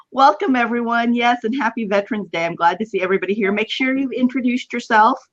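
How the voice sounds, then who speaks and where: A woman's voice: a little high, normal speed. West texas drawl lady hosting a livestream chat, chatty n informal, kinda muffled lofi webcam sound. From West Texas, United States. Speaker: host of an online video chat. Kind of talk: casual live-stream hosting. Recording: dull lo-fi web video call.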